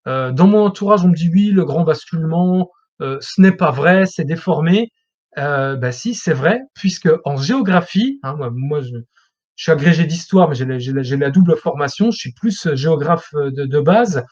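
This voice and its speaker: A man's voice: on the high side, expressive, moderate pace, a little mellow, dull audio. A man speaking as a guest expert in an interview, explaining things in a lecturing way as if to students.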